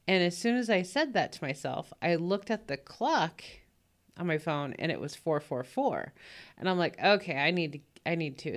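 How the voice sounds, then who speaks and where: A woman, telling a story in casual podcast chat with lots of fillers and laughs. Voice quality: low voice, morning voice. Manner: rambling, frequent fillers and laughs. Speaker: podcast host. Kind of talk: casual spoken anecdote.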